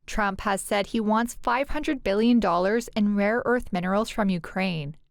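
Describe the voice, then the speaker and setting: A woman's voice: medium pitch, moderate pace, creaky, no room sound. A woman narrating a scripted news report as a reporter, with matter-of-fact delivery.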